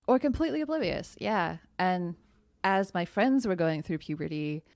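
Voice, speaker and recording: A woman in her late thirties talks from home as a podcast guest. Her voice sits a little low but swings widely in pitch, recorded close and dry. She tells stories in a giggly, self-conscious way. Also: lively intonation, moderate pace, darkish tone, dry recording. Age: 30s. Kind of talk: casual podcast chat.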